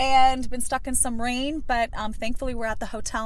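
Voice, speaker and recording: A woman at a fairly quick pace with ordinary pitch variation, a dry sound with no echo and light background noise. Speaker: vlogger. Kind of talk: casual vlog chat. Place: car. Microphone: phone near.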